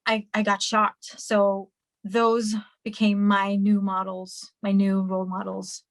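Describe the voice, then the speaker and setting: A woman's voice: medium pitch, monotone, takes it slowly, dry recording. A young woman from Hungary, a singer and musician, answering interview questions in a chatty way with many fillers and restarts over a video call.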